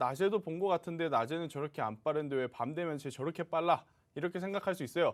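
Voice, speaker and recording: A very fast, high-pitched male voice with ordinary pitch variation, on a very clean recording against a silent background. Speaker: stock market expert. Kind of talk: investment broadcast talk. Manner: animated.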